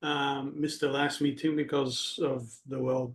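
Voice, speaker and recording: A man with a Scottish accent speaks at a very slow pace. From Scotland. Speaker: business executive. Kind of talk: casual chat. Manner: halting.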